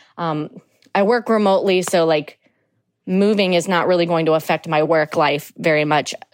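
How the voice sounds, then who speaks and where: This woman has a normal speaking voice with an American accent, fairly low in pitch and at a moderate pace. Her loudness stays very even, and her pitch varies in an ordinary way. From US South, New Orleans. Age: 30s. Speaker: caller. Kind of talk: voice memo question.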